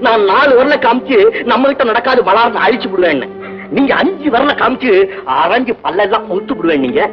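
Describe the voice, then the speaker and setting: A high-voiced naive village simpleton. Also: male voice, expressive, fairly quick. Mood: boastful. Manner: rustic colloquial speech, comic boasting, exclaiming. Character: simple-minded village cowherd husband, boastful, naive. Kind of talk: 1960s film acting. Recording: dull old film soundtrack with music.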